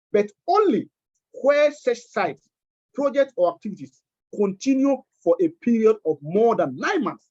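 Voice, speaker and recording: Man, webinar lecture, emphatic, repeats and restarts words, high voice, dull lo-fi sound. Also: darkish tone, no echo. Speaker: webinar presenter on tax treaties. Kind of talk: lecture-style webinar talk.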